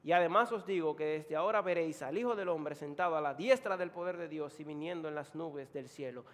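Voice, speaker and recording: A preacher voicing Jesus, calm and solemn. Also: male voice, big-room sound, natural voice. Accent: Dominican. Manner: low, quiet and slow.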